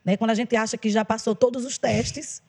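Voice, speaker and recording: A woman's voice: on the high side, steady tone, fairly quick, vocal fry, a little mellow. A Brazilian woman hosting a faith podcast, reflecting aloud with hesitant restarts and affirming her guest. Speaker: podcast host. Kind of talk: casual chat.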